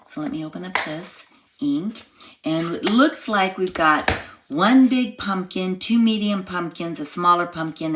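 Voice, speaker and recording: A woman with a slightly hoarse, froggy voice, chatting step by step through a live card-making class. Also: low voice, background noise. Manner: chatty step-by-step explaining while crafting. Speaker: craft class instructor. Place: home craft room.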